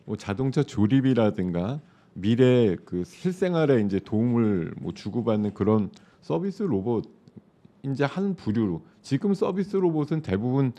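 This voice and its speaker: A man's voice: medium pitch, warm tone. A man with a sore throat, a stock market commentator explaining trends in loose, conversational live-show chat with many fillers.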